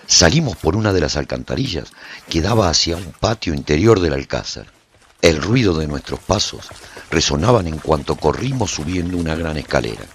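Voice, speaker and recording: A very deep male voice, lively in intonation and moderately paced, delivers scripted first-person narration as a haunted warrior in a post-apocalyptic radio drama. The mood is solemn and brooding, the performance theatrical and intense, with slight background noise.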